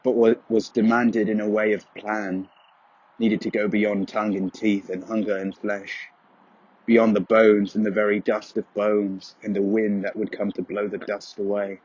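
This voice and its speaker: A man giving a solemn, brooding, measured dramatic narration of dark poetic prose with a husky voice. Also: on the low side, dry recording, lo-fi sound. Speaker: voice-over narrator.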